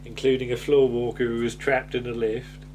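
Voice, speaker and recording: A man's voice: mid-range voice, level tone, a little fast, a little mellow, slight background noise, low-quality recording. A man, chatting casually and a little hesitantly as a podcast host recapping a TV show. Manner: hesitant, rambling, chuckling delivery. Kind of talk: casual chat recapping a television sitcom episode.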